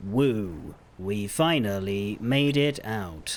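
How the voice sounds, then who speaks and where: Putting on a character voice with a fairly low pitch, a man speaks at a very slow pace. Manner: excitable.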